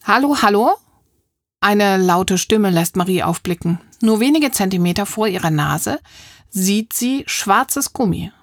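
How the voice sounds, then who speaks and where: A woman narrating a children's audiobook with a lively, expressive reading. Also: mid-range voice, no room sound, studio quality. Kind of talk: scripted storybook narration.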